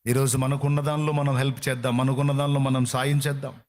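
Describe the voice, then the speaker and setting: A man's voice: mid-range voice, little pitch movement, quick pace, a little mellow. A man preaching a sermon with fervor, repeating phrases for emphasis. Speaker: pastor.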